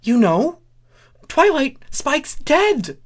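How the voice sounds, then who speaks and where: A man's voice: huge pitch swings, drawn-out words, heavily acted. A man voicing an anxious, distressed female cartoon unicorn in a comic story reading. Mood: alarmed. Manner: distressed, exclamatory, falsetto-like.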